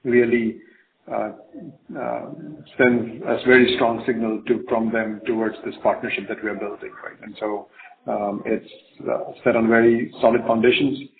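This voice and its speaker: A man's voice: mid-range voice, level tone, normal speed, creaky. A man speaking as a company executive on an earnings call, answering questions in a confident, emphatic way and often tagging phrases with "right?". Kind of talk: earnings call Q&A, spontaneous business talk. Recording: narrow, phone-like conference call line.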